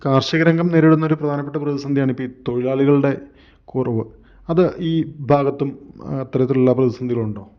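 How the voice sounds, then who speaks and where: Male farm-radio host, mid-pitched, formal questions and brief murmured assents, dull lo-fi radio sound. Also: a little fast, long pauses.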